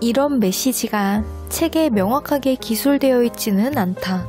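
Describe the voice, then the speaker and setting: A woman speaking very slowly with ordinary pitch variation, music playing in the background. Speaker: audiobook reader and book reviewer. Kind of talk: book review and audiobook reading.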